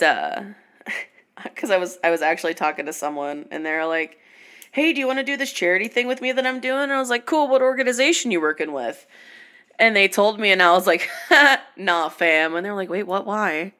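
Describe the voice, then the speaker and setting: A woman co-hosting a podcast in casual chat, a little hoarse after being sick, swearing freely and acting out the people she talks about. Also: mid-range voice, moderate pace. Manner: animated, swears a lot, acts out quoted exchanges. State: slightly hoarse after illness. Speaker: podcast co-host.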